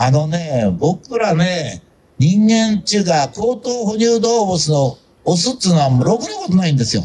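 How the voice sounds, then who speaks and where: A man's voice with very wide pitch swings. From Japan. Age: 80s+. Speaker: politician. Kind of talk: street political speech. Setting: outdoors. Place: street. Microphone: handheld.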